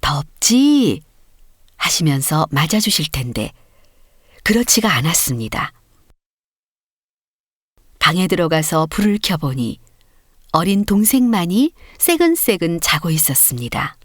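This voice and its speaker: A woman reading a storybook as an audiobook narrator, with expressive, clearly paced scripted delivery. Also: deep voice, a little slow, long pauses, no echo, studio quality.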